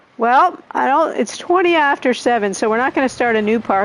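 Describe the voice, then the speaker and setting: A woman with an American accent speaks at a moderate pace, her intonation lively. She has an unremarkable speaking voice. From US, Maryland. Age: 60s. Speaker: game streamer. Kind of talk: live gameplay stream with chat. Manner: casual, rambling with fillers.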